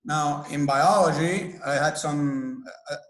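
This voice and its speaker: A man's voice: fairly high pitch, slow, fairly bright tone. Skeptical man from Venezuela, echoey room. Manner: skeptical, storytelling, laughs while questioning. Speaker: interviewer. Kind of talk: conversational interview.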